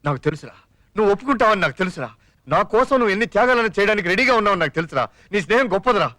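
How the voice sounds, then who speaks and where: A man's voice: sits high, animated, bright, forceful tone, no room sound, clean studio sound. An actor playing a young father who pleads and jokes as he talks his friend into a scheme, in a comic film. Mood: fast pleading. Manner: fast, pleading and joking.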